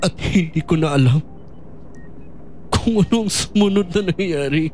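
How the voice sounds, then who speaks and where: A man's voice: a little high, moderate pace, darkish tone, slight background noise, natural voice. Man acting a brooding, haunted audio drama hero. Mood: guilty, confessing. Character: troubled man haunted by lost, guilty memories.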